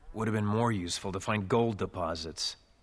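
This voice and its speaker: A growling, put-on character voice moves at a fairly quick pace. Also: man, fairly low pitch for a man. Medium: video game. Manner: terse, clipped.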